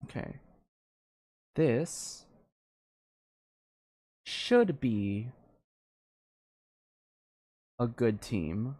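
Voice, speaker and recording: A game streamer with a medium-pitched, mellow, slightly breathy voice chats casually during live gameplay in a sing-song way, drawing out words. The delivery is hesitant as thoughts are worked out aloud, with sentences often trailing off unfinished.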